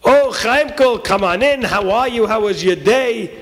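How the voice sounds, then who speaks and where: A man voicing a mother in a comic story, sweet, polite, expectant and gently insistent. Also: high-pitched, sing-song, measured pace, slight background noise. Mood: cheerful.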